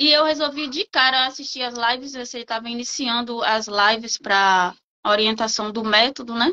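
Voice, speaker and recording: A woman in a Bahian accent, bright and sharp in tone, high-pitched, at a moderate pace with ordinary pitch variation. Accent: Bahian accent, noticeable. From Bahia interior, Brazil. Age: 30s. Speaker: client sharing experience. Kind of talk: testimony.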